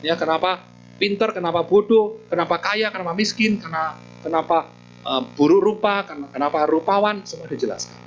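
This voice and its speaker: A man preaching a Buddhist sermon as a lively storyteller who keeps tossing in tag questions. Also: sits high, fairly quick, highs cut off, a little hiss or hum.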